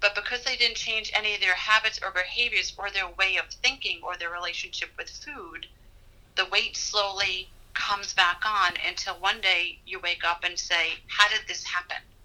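In a plain, everyday voice, a woman talks at medium pitch and a moderate pace with fairly even intonation. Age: 50s. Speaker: nutritionist. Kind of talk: interview.

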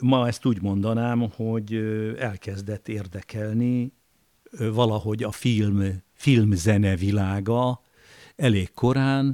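On a very clean recording with a silent background and a dry, close sound with no echo, a man with a fairly low voice talks at a very slow pace with fairly even intonation and long, frequent pauses. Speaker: film composer. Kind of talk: personal storytelling.

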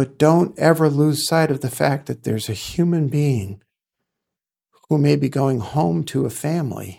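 A man's calm, dark, mellow and somewhat breathy voice with a New York accent, fairly high in pitch, at a moderate pace with ordinary pitch variation. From Brooklyn, New York. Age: 60s. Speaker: executive coach and author. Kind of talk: casual interview chat.

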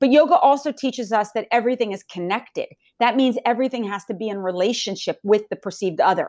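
In a New Jersey accent, the speaker goes at a very fast pace on a very clean recording with a silent background. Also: woman, fairly high pitch for a woman, ordinary pitch variation. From US Northeast, New Jersey. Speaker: yoga teacher and author. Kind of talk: podcast interview.

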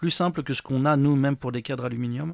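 A man's fairly high voice in a very clean recording with a silent background. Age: 40s. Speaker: podcaster. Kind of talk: casual monologue. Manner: hesitant, many fillers.

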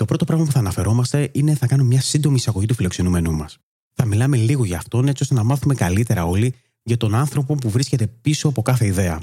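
Speaking at a very fast pace, a man has a medium-pitched, dark, mellow tone that is somewhat breathy, with lively intonation and very even loudness. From Greece, Piraeus. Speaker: podcast host. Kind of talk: monologue introduction.

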